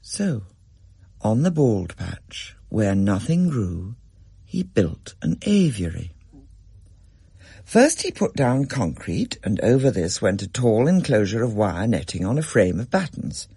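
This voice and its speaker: A man narrating a story in a measured, expressive reading. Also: medium pitch, gravelly, husky, no echo, clean studio sound.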